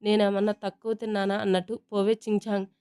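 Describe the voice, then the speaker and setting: A woman's voice: medium pitch, flat delivery, quick pace, warm tone, clear, resonant tone, natural voice. A woman voicing a cheeky, joking young man who teases and whines dramatically. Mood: protesting.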